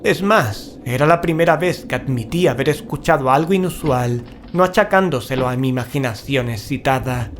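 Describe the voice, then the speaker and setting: An actor playing a frightened, earnest paranormal investigator, narrating a horror audio drama. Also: male voice, medium pitch, normal speed, hardly any pauses, a little hiss or hum, close to an everyday voice. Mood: grave, suspenseful. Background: music.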